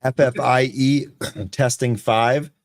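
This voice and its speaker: A man co-hosting a live trading show, calling out tickers and chart levels in brisk, quick succession. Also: medium pitch, fairly even intonation, dry recording, studio quality. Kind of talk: live market commentary.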